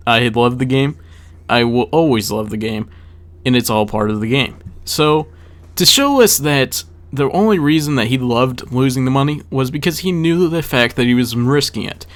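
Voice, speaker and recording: A man narrating a personal story as casual gameplay commentary, speaking conversationally to his viewers and repeating words for emphasis. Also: mid-range voice. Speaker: gaming video creator. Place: voice-over for a gameplay video.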